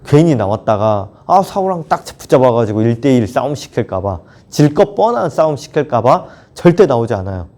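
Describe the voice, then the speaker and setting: Lively young man preaching to kids. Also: mid-range voice, fairly quick, few pauses. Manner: animated, acting out characters' lines for kids. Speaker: children's ministry pastor. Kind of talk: children's sermon storytelling. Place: church, recorded alone. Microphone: camera mic, unmasked solo recording.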